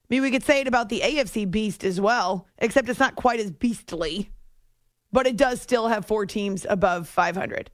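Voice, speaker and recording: A woman hosting a late-night sports radio show, talking through results in a chatty way with quick asides. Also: mid-range voice, no room sound, clean studio sound. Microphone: studio microphone.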